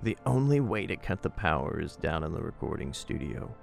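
An actor playing an anxious investigator in a murder mystery audio drama, talking in a conspiratorial, dramatic way over music. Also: male voice, a bass voice, big pitch swings, fairly quick, gravelly, heavily acted. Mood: determined.

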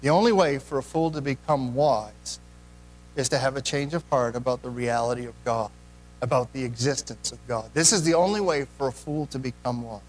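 A man's voice: mid-range voice, fairly quick, rough recording. A man preaching a sermon in a church, earnest, putting direct questions to the congregation. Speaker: pastor.

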